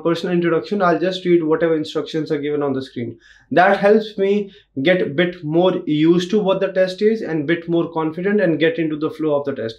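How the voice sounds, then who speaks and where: A man in his thirties with an Indian accent, tutoring test takers in a steady, reassuring way that repeats the key points, recorded in a small home studio. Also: fairly high pitch, dull audio. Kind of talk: instructional talk to camera.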